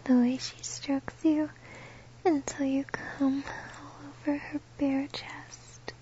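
A woman whispering slowly and intimately, close to the listener, in an erotic audio. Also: high voice, little pitch movement, warm tone, highs cut off. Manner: slow, breathy, close whisper.

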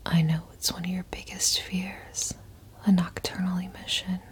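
A woman whispering in a slow, hushed, intimate way, performing a guided ASMR hypnosis roleplay. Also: fairly low pitch, little pitch movement. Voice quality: breathy whisper. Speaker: audio performer.

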